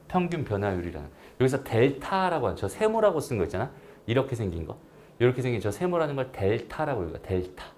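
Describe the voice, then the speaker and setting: Lively-voiced male math teacher. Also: lowish voice, slight background noise. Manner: casual, checks understanding with frequent tag questions. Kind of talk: recorded math lecture.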